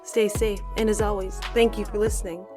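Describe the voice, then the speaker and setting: A woman's voice: mid-range voice, flat delivery, a little fast. Upbeat woman announcer over music. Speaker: podcast creator and sole voice actor. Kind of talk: scripted outro announcement.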